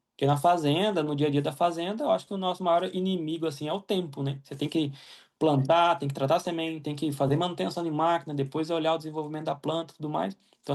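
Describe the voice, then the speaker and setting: Gravelly Brazilian man, talking casually. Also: fairly high pitch, a little mellow. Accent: Brazilian Portuguese. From Mato Grosso, Brazil. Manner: many fillers and "né?" tags, restarts. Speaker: guest, agronomist living in Ireland. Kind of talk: casual interview answers.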